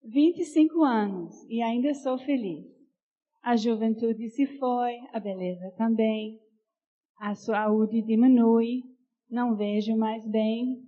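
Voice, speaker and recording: An older woman from Canada speaks with a Northeastern Brazilian accent, slow and gentle, her voice mellow and fairly high. The sound is a little dull, as from a church sound system. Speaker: pastor's wife sharing testimony. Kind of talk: personal testimony and poem reading in church.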